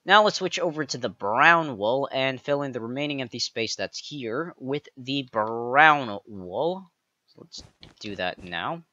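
Bright-voiced man narrating a build tutorial. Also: mid-range voice, animated, a little slow, dry recording, highs cut off. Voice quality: slightly raspy. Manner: playful, counts blocks aloud, jokey asides. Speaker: pixel art tutorial creator. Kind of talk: step-by-step game build tutorial.

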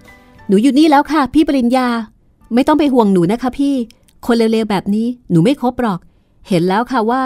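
A woman's voice: a little high, animated, a little fast, dark tone, dry recording, faint music behind, voice pushed up, lightly acted. A woman reading aloud and voicing a young sister who speaks politely but coldly. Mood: scornful.

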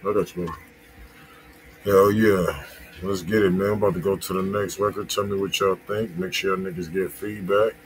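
A man's voice: sits low, steady tone, moderate pace, a little hiss or hum, low-quality recording. A man co-hosting a music stream, chatting casually with profane slang and repeated affirmations. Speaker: music review stream co-host. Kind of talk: casual chat.

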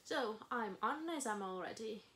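A woman's voice: on the high side, animated, moderate pace, sharp tone, a little hiss or hum. A young woman from Ukraine, whose native languages are Russian and Ukrainian, co-hosting a casual vlog from a sofa, light and self-amused. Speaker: vlog co-host. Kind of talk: casual chat. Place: living room sofa, indoors. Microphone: camera in front of a couch.

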